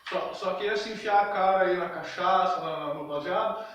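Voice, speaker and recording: A man from the class offers his thoughts in halting bursts, repeating himself as he works out his point. His voice sits high and comes from far off, swallowed by a strongly reverberant hall. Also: a bit bright. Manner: halting, repeats words, tags with "né". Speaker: class member. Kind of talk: question and comment in class. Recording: echoey hall, far from mic.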